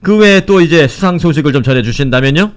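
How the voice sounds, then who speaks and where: A man's voice: a little high, animated, fast talker. A man hosting a radio news show in a conversational way, commenting and putting questions to a reporter. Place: radio studio.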